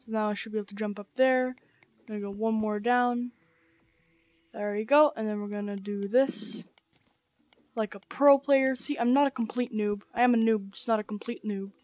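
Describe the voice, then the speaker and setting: A young woman talks through her gameplay in a casual, rambling way, dropping slang and plenty of ums. Her voice sits a little high and sounds croaky from a sore throat. The recording is dry and slightly dull, close on a headset mic. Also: steady tone, normal speed, darkish tone, dry recording. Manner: chatty, rambling, slangy with many fillers. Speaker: gaming channel host. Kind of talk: casual let's-play commentary. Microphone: gaming headset.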